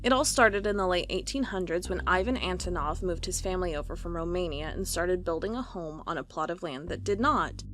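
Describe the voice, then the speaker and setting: A woman's voice: lowish voice, animated, brisk, few pauses, fairly bright tone, slight background noise. A woman playing a wry young office worker in an audio drama, talking casually and reading aloud in a conversational way. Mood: earnest, storytelling.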